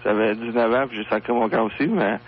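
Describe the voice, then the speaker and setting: A man's voice: lowish voice, steady tone, a little fast. Crude young Quebec man calling a radio show. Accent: Quebec French. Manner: crude, slangy, hesitant speech. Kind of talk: casual phone-in talk. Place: on a phone line to a radio show. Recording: dull lo-fi phone-in radio with hum.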